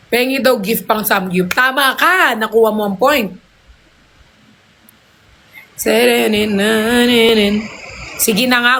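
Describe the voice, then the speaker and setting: A young woman on a casual livestream, talking excitably into a phone and gushing thanks for gifts, mixing English into her talk. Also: fairly high pitch, slight background noise. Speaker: live streamer.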